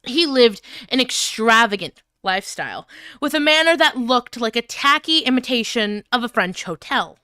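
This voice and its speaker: A woman with a bright, fairly high voice reads fanfiction on a stream in a clean, dry sound. Her pitch moves around a lot, and she comes across as giggly and easily flustered. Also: lively intonation, moderate pace, smooth, no room sound. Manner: giggly, flustered, breaking up while reading. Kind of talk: live fanfiction reading with casual chat.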